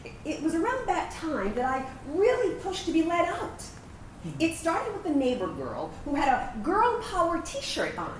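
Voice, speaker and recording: A woman's voice: very high-pitched, huge pitch swings, moderate pace, exaggerated voice. A woman acting in a staged reading as a trans veteran and their inner self, reminiscing conversationally, wounded yet playful. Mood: fond reminiscence. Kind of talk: staged reading of a personal narrative play. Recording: roomy, distant microphone, faint background noise.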